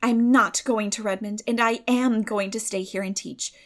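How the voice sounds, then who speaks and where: A woman voicing a bright, determined, idealistic sixteen-year-old girl in a dramatic audiobook, eager, effusive and dreamy. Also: a little high, steady tone, moderate pace, close to an everyday voice. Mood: determined, hopeful. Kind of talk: dramatic audiobook reading of a classic novel.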